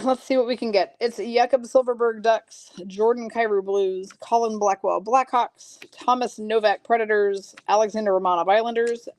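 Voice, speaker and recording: A woman's voice: mid-range voice, a little mellow, no room sound. A woman hosting a live card break, chatting with viewers and reading off card names and teams, her voice a little froggy. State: slightly froggy voice. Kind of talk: live-streamed card break, casual chat.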